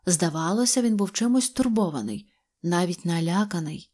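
A woman reading an audio fairy tale in an expressive storytelling manner. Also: lowish voice, normal speed. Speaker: narrator.

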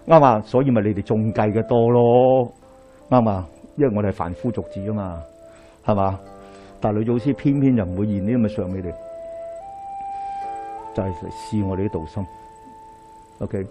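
A middle-aged Daoist priest with a Hong Kong Cantonese accent lectures in a small hall, speaking into a handheld mic. His voice is mellow, and he keeps throwing rhetorical questions to the room as he tells his stories. Faint music plays behind him. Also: medium pitch. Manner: animated storytelling with rhetorical questions, pacing while gesturing. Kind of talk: lecture to a live audience. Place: small lecture hall indoors, in front of a screen.

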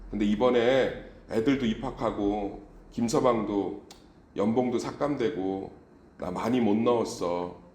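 Sheepish adult daughter apologizing, done by a male pastor, slow and low-key. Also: darkish tone, reverberant, natural voice. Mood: apologetic. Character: apologetic grown daughter calling her mother.

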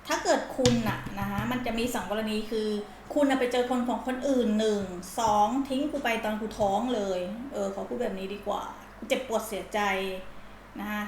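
A woman's voice: mid-range voice, brisk, vocal fry, background noise. A woman doing a casual tarot reading, speaking bluntly and in slang as she dramatically acts out the listener's feelings. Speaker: tarot reader. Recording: roomy echo.

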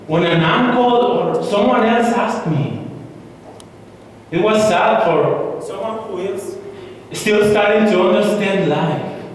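A young man giving a memorized contest speech slowly and deliberately, with dramatic pauses, on an auditorium stage. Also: high voice. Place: large indoor auditorium stage. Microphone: far camera, no visible mic. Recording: echoey hall from far off, faint hiss.

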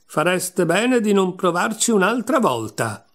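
A man voicing a curious, clever young girl in a storybook reading, with a lively, raised voice. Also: mid-range voice, moderate pace, lightly acted. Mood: defiant.

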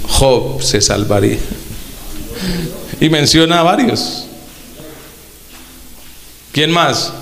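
A man preaching a Pentecostal sermon, emphatic and drawn-out, throwing rhetorical questions at the congregation. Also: a little high, roomy sound, long reverb tail, rough recording. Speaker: pastor.

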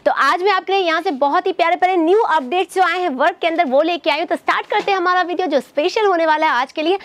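High-voiced upbeat saree shop presenter woman. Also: no echo. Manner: upbeat sales patter addressing viewers as friends. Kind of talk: promotional product showcase. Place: saree shop lined with stacked fabric, indoors.

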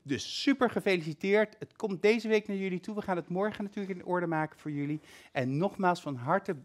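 A woman's voice: on the low side, brisk. A woman hosting a live online nail workshop, enthusiastic as she reads out viewer comments and chats with her guest. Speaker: workshop host.

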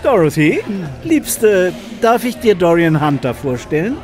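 A man's voice: high-pitched, sing-song, measured pace. An actor playing a jovial, womanizing Hollywood millionaire producer in a radio play, chummy and playful. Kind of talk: German radio play acting. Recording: party crowd and music behind.

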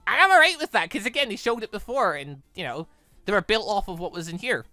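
A man hosting a gaming channel, talking in a rambling, excited way with lots of fillers. His voice is bright and clear, recorded dry and close on a desk mic. Faint music sits underneath. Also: sits high, fast, no room sound. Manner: rambling and enthusiastic, many fillers. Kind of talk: casual let's-play wrap-up talk.

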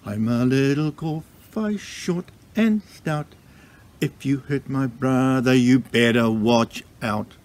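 A man voicing a small, stout, feisty female kowhai tree in a children's story, yelling boldly to protect a brother. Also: medium pitch, slow pace, lightly acted. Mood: sung warning. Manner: bold yelling and sing-song threats.

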